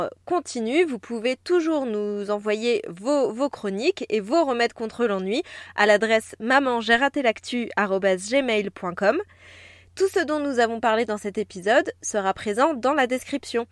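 A woman's voice: on the high side, no room sound. Woman podcast co-host, close dry sound. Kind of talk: casual explanatory chat for children.

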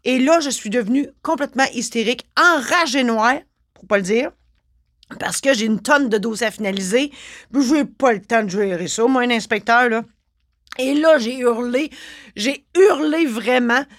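A woman with a Québécois accent, a notary hosting her own podcast, telling a story casually with lively expression and frequent fillers. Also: fairly high pitch, normal speed, dry recording, clean studio sound. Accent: Québécois French.

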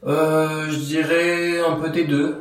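A man's voice: fairly high pitch, flat delivery, slow pace, heavy reverb, far from the mic. A young man from Iraq, whose first language is Aramaic, answering interview questions in a casual, hesitant way with many fillers and restarts. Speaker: interview guest.

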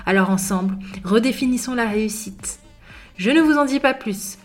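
A woman hosts a podcast interview with an upbeat, chatty manner. Her voice sits a little high for a woman, and she fills pauses with frequent hesitation sounds. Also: soft background music. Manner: upbeat, many "euh" fillers. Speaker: podcast host.

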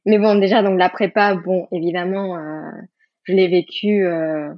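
A woman's voice: lowish voice, steady tone, measured pace, dry recording, lo-fi sound. A woman from Mexico with a Mexican Spanish accent, a yoga teacher talking as a podcast guest in a thoughtful way, often restarting her sentences. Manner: thoughtful, many restarts and fillers, laughs easily. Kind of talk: podcast interview.

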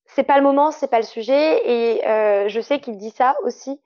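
A woman in a fairly high voice. She explains her points emphatically, in the conversational way of a podcast guest. The sound is close and dry, slightly muffled and lo-fi. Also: normal speed, a little mellow, dry recording. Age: 30s. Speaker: interviewed guest, clinical sexologist.

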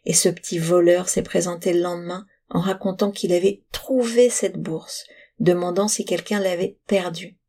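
A woman voicing a greedy, accusing rich landowner who shouts and rails, in a storybook reading. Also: lowish voice, steady tone, moderate pace.

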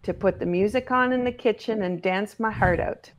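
A woman speaks as a guest in a casual interview. Her voice sits at a middling pitch for a woman. She is playful and encouraging, as if talking with a youngster. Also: normal speed. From Cape Breton, Nova Scotia, Canada. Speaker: podcast guest.

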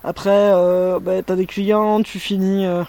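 A woman's voice: medium pitch, flat delivery, slow pace, mellow. A woman in her thirties with a Parisian accent, chatting as a guest in a casual interview, hesitant and full of fillers and restarts, recorded outdoors in a garden. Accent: Parisian French. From France. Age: 30s. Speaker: guest, musher. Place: sunny garden in the mountains, outdoors.

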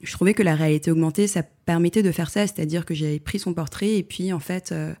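A woman photographer answering interview questions in a reflective way, pausing often with fillers and restarting her sentences. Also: on the low side, steady tone, mellow. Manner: hesitant, many fillers and restarts.

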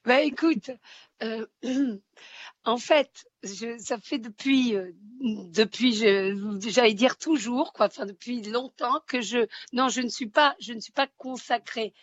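A woman's voice: fairly high pitch, slow, no echo. A woman from southern France speaking as a radio guest in a casual, impassioned way, repeating phrases for emphasis. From Marseille, southern France. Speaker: radio guest, writer and film-maker. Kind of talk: casual phone-in chat. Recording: slightly dull, dry sound.

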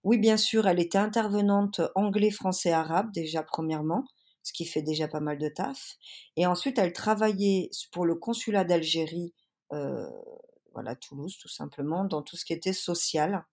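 A woman's voice: lowish voice, moderate pace, darkish tone. A woman from France, speaking earnestly and with many hesitations as an interview guest, slightly under the weather with a cold. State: has a cold. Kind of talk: casual interview.

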